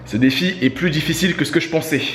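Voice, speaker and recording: High-voiced man vlogging between push-up sets. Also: fast talker, a bit bright. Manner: addresses viewers as friends, urging and encouraging. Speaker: YouTuber doing a fitness challenge. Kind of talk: casual video chat to viewers. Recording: echoey room with faint background noise.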